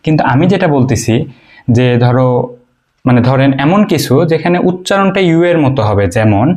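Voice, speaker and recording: A man's voice: mid-range voice, expressive, normal speed, a little mellow. Bangladeshi man teaching in a question-and-answer style. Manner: explains step by step, asks the listener questions and answers them himself; frequent hesitations and fillers while he thinks. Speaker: English teacher. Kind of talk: informal video lecture.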